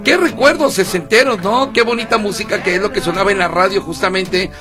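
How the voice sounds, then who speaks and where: A man's voice: sits high, fairly quick, music in the background. A man with a Mexican accent hosting a radio show, talking in a chatty, joking way. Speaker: radio host. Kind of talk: casual radio banter.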